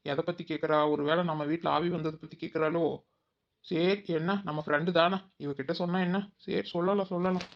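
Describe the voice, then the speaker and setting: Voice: mid-range voice, fairly even intonation, brisk, natural voice. A performer voicing a young village daughter-in-law in a cartoon, whiny and muttering to herself. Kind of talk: cartoon voice acting. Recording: dull lo-fi recording.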